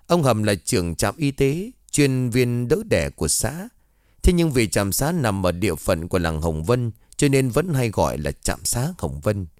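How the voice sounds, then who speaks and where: A man's voice: fairly low pitch, darkish tone, dry recording, studio quality. A man narrating a horror story in the first person, telling it dramatically.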